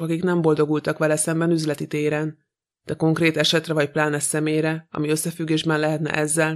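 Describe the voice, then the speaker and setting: A man's voice: a little high, lightly acted. A man voicing a shaken widow giving hesitant, subdued testimony to a judge in an audiobook. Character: shaken widow of a murdered millionaire.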